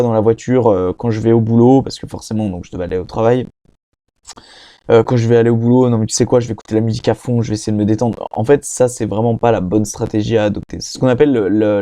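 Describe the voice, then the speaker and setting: A man's voice: medium pitch, dark tone, no room sound. A young man hosting a casual self-help podcast, talking straight to the listener in a rambling way, full of fillers and restarts. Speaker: podcast host.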